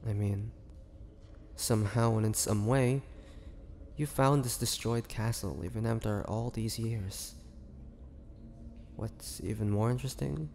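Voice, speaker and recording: A man playing an ancient, gentle and wistful male vampire in an intimate audio roleplay, speaking haltingly with measured pauses. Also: lowish voice, gravelly, slight background noise. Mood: curious, intrigued.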